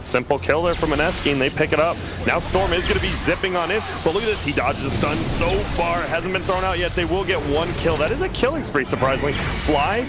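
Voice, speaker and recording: An excitable male esports caster calls a match play-by-play. His reactions come in quick bursts. Music plays under him throughout the broadcast. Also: a little high. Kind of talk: play-by-play commentary.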